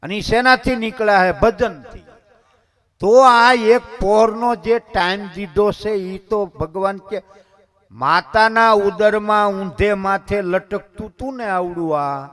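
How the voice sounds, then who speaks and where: A male preacher with a slightly high voice. He gives a devotional sermon in a folksy, chatty way, with everyday asides for his listeners. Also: slow pace, a bit bright. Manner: folksy, conversational, addresses listeners as bapu. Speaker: katha preacher.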